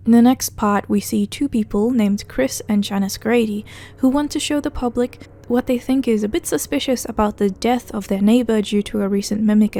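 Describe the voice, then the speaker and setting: A woman with a fairly high voice and a very soft, mellow tone narrates a video essay. She talks conversationally, recapping and commenting as she goes, with a dry, sardonic edge. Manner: conversational, wry, sardonic asides. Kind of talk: casual narrated recap and commentary of a horror web series.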